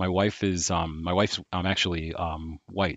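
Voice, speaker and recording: Very deep and low, a man's voice moves at a fairly quick pace in a monotone, flat intonation. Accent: American. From US Midwest, Detroit. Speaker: psychology professor. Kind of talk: casual interview.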